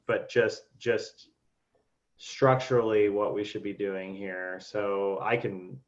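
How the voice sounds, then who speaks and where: A man leading a city board meeting, talking in a halting way with many restarts and fillers. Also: lowish voice, a bit bright, muffled recording. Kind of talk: casual meeting discussion.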